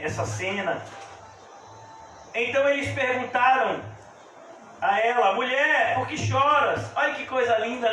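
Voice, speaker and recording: A male pastor preaching a sermon, moving between soft, intimate asides and loud, fervent exclamations. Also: extremely high pitch. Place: church. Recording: echoey church hall, voice from a distance, faint hiss.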